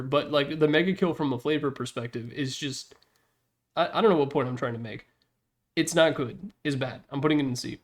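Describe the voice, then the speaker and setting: A young man giving casual, opinionated commentary on video games in an informal, slangy, joking way. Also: fairly high pitch.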